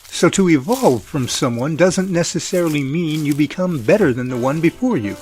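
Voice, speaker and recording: An actor plays a curious, playful young man with a romantic streak in an audio drama. His voice is on the high side and swings expressively up and down. Music plays softly behind him. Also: expressive, moderate pace, close to an everyday voice. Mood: thoughtful.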